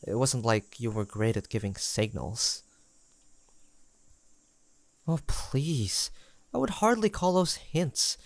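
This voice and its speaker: A man's voice: mid-range voice, sing-song, vocal fry, no echo, full character voice. A young man playing a tender, teasing best friend turned lover in an intimate romantic audio roleplay, speaking in a hesitant, conversational way. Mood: playful, incredulous. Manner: conversational, hesitant, halting delivery with sighs and soft chuckles.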